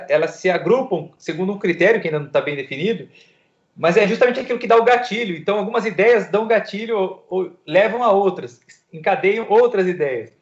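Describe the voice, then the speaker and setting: Quick, high-voiced man in an echoey room. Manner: lively, gives everyday examples, laughs lightly. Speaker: co-host in a discussion. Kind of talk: casual conversational explanation. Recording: echoey lo-fi recording.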